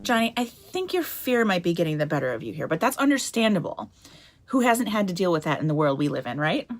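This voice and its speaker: A woman's voice: lowish voice, sing-song, fairly quick, slight background noise. A woman playing a scrappy, awkward wasteland scavenger, earnest and rambling, in a comedy drama. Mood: earnest, excited. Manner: rambling, earnest, self-correcting.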